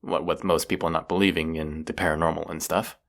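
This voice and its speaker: Young male vampire hunter, played by a male actor, audio roleplay: very low, gravelly voice, cocky and slangy, sarcastic with a self-mocking edge. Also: level tone, a little fast, fairly bright tone. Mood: evasive, flippant. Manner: teasing, sarcastic, casual slangy delivery.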